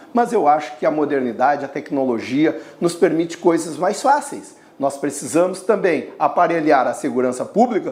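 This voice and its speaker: Very wide pitch swings from a man at a moderate pace, noticeable background noise behind him. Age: 60s. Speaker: mayoral candidate. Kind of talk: political interview.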